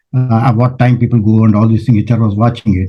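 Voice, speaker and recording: This is a man talking. His voice is somewhat breathy. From India. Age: 60s. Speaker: coach. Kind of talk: casual chat.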